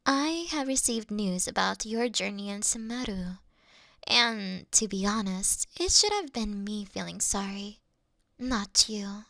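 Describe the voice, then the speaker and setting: A woman playing a mischievous, affectionate fox-spirit shrine priestess in an intimate roleplay, coy and teasing, often slipping into a breathy whisper. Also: mid-range voice, expressive, a little slow, a bit bright, no echo. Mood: reflective, gentle. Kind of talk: intimate roleplay ASMR acting.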